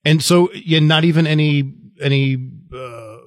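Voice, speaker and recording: A middle-aged man hosting a podcast, chatting casually and gently ribbing his guest. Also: a little high, unhurried, dry recording, studio quality. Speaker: podcast host. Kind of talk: casual interview chat.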